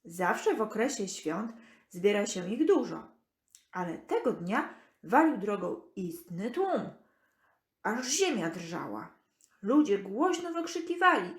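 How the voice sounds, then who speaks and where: A woman narrating a Bible story for children, expressive, with deliberate phrasing and pauses. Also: on the high side. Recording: echoey room.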